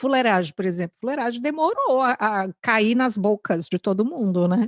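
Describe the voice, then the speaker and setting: In an unremarkable speaking voice, a woman of fairly high pitch talks at a moderate pace with lively intonation and very even loudness, in a dry, close sound with no echo. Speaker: podcast host. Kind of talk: casual chat.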